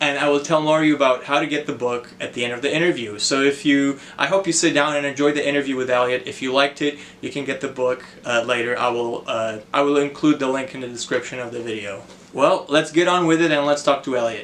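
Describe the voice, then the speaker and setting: A man at a fairly high pitch, very fast, amid noticeable background noise. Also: fairly even intonation. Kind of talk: interviewer talk to camera.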